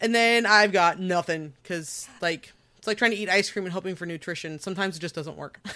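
On a very clean recording with a silent background, a woman with an American accent speaks at a fairly quick pace in a medium pitch, her tone bright and sharp and her pitch varying in an ordinary way. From Texas. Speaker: podcast host. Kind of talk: casual chat.

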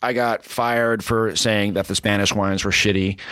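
A man is speaking. He has an American accent. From New York City, Upper East Side. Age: 40s. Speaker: wine importer. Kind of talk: casual chat.

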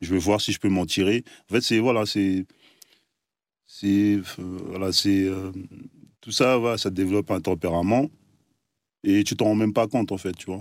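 A man speaks at a fairly low pitch with fairly even intonation, leaving long, frequent pauses. The recording is very clean with a silent background. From Cameroon, Yaoundé. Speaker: American football player and coach. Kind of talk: casual interview.

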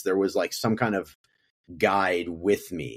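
Speaking in a normal speaking voice, this man has a Canadian accent, a fairly low pitch, and a moderate pace. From western Canada, Prince George, British Columbia. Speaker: sober and recovery coach, podcaster. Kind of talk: interview.

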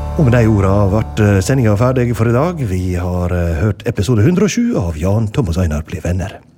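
Music plays in the background as a man with a fairly low pitch speaks. He keeps a moderate pace and lively intonation. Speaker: podcast co-host. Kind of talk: casual chat.

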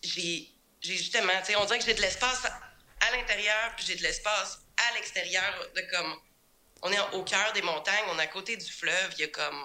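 Hers is a plain, everyday voice, a woman at medium pitch speaking at a moderate pace with ordinary pitch variation. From Quebec, Sainte-Anne-des-Plaines. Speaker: painter. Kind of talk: casual chat.

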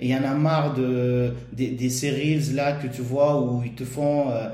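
A man speaks at a very slow pace. His fairly high voice carries audible room echo. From Morocco. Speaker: weight loss coach. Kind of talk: podcast monologue. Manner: halting, many repetitions and hesitations.

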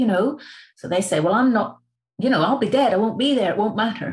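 Music plays in the background behind a woman. Her pitch is fairly high, with ordinary pitch variation. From Scottish Highlands. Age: 60s. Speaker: grief author and end-of-life planning nonprofit founder. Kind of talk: interview conversation.

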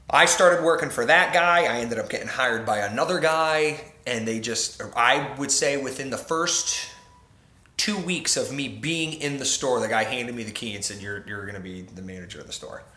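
Confident in tone, a man at a medium pitch speaks at a moderate pace with lively intonation and big swings in loudness. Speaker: store manager. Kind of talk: casual interview conversation with profanity. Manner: loud, big personality, confident.

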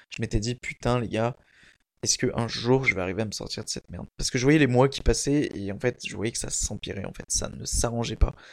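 With an animated tone and big swings in loudness, a man talks at a fairly quick pace in a dry, close recording with no echo. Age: 20s. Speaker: podcaster and motivational coach. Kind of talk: solo casual monologue.

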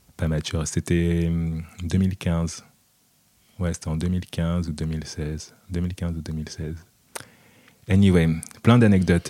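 A man with a very deep, low pitch and a dark, mellow tone speaks. He goes very slowly, with long, frequent pauses. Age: 30s. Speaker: podcast co-host. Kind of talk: casual chat. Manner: animated.

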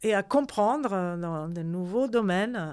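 In a Greek accent, a woman speaks at a medium pitch with lively intonation on a very clean recording with a silent background. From Greece, Thessaloniki. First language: Greek (speaking French). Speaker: research physicist. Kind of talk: interview. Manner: halting.

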